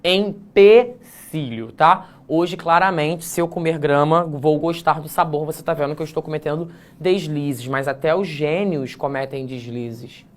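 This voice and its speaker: A man teaching an online essay-writing class, joking at his own slips, drawing words out slowly to show how they are pronounced, and checking in with the class often. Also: on the high side, fairly even intonation. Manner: playful, self-mocking, frequent "tá?" check-ins; stretches words slowly to demonstrate pronunciation.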